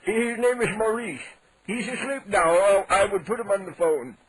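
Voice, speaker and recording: A man's voice: high-pitched, moderate pace, crowd noise, lightly acted, rough recording. A man playing a cranky, indignant 87-year-old neighbor on a prank call, making blustering threats with mock-polite outrage. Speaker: prank caller.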